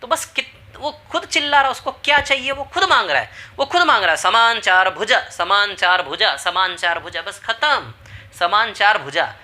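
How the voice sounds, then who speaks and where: A man's voice: extremely high pitch, expressive, moderate pace, pushed and bright. A man teaching a maths lesson with a Hindi accent, repeating key phrases and checking that students follow. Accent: Indian Hindi. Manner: repetitive, emphatic, asks for understanding. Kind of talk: classroom lesson.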